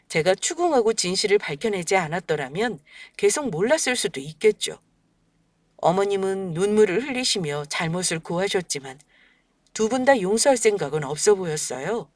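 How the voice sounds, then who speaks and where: A woman narrating a personal story in a calm, measured way. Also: mid-range voice, dry recording.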